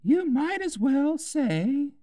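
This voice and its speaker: Man doing a little dormouse, high-pitched, sleepy, slow murmur, storybook character. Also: sing-song, mellow, no echo, heavily acted. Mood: drowsy. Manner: drowsy, drawn-out delivery.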